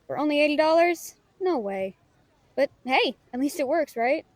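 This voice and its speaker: A woman's voice: sits high, lively intonation, normal speed, no echo. A woman playing a casual, friendly female novelist in an audio drama, with an informal, slightly hesitant way of talking. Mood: chatty, bemused. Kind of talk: naturalistic audio roleplay acting.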